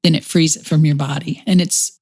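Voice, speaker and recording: A middle-aged woman with a Texas accent, speaking gently and reassuringly as a podcast host in a reflective chat. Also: low voice, steady tone, brisk. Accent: Texan.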